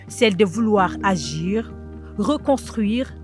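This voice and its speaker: A woman reading a measured, solemn documentary voice-over. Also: medium pitch, expressive. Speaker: narrator. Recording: music underneath.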